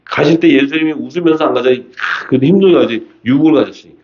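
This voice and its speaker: A man preaching a seminar sermon in a colloquial, animated way, asking rhetorical questions and reading scripture aloud. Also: medium pitch, fast. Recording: dull lo-fi audio.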